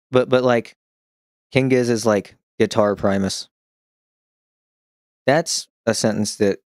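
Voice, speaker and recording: A man on a casual stream tells rambling, profane stories, chuckling along and restarting often, and slips into a slight New York-style twang when excited. His voice sits fairly low, with studio-quality sound and no room noise.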